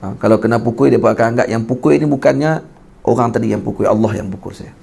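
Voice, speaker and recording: A man with a Kedah Malay accent giving a sermon as a religious teacher, teaching with animated emphasis and slowly chanting classical Arabic text. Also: medium pitch, vocal fry, husky.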